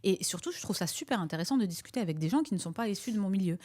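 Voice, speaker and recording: A woman's voice: mid-range voice, lively intonation, very fast, a little mellow. A woman hosting a casual, opinionated podcast, speaking emphatically and repeating herself to drive points home. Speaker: podcast host and video content creator.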